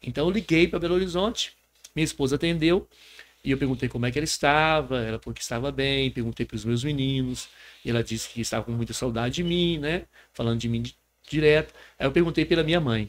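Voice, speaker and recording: A man's voice: medium pitch, fast talker. A man with a Brazilian Portuguese accent, a pastor earnestly telling a personal testimony as a podcast guest, often tagging his sentences with a question. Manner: earnest storyteller, often adds a tag question.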